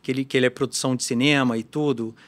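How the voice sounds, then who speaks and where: A man, a guitar tech shop owner talking as a guest in a casual podcast conversation, animated and full of restarts. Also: mid-range voice, rapid-fire. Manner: animated, talkative, with frequent restarts.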